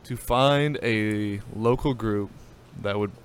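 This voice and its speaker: A man speaks as a podcast guest over a video call. His voice sits fairly low and stays monotone. Faint background noise sits under the call. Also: slow pace. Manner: monotone delivery. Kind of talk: casual chat.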